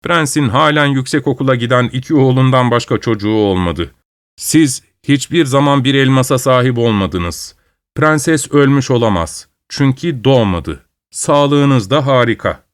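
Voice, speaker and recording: A man voicing a calm, cold manservant who patiently explains things. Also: mid-range voice, normal speed, dry recording, clean studio sound, lightly acted. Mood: cool. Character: cool, superior manservant who is secretly a good angel.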